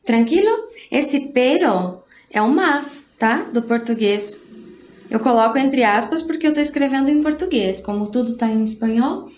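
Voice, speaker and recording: A woman's voice: on the high side, expressive, normal speed, darkish tone. Patient Brazilian woman teaching, roomy echo. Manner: patient, explanatory, has learners repeat after her. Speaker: Spanish teacher. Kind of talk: recorded video lesson.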